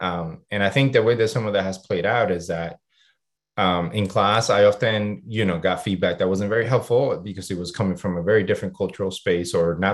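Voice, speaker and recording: A man speaks at a fairly quick pace with a Spanish accent. His pitch is very deep and low. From Cuba. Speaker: author and educator. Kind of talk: online talk and Q&A.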